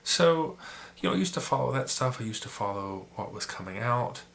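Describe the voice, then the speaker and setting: Sick man with a gravelly raspy voice. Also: mid-range voice, lively intonation, fairly quick, fairly bright tone. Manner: rambling, with many restarts and fillers. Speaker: photography YouTuber. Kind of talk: casual opinion vlog.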